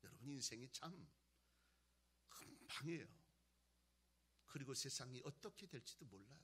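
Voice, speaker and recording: A male pastor preaching a sermon, moving between loud exhortation and quiet, conversational storytelling. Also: mid-range voice, expressive, fast talker, breathy edge.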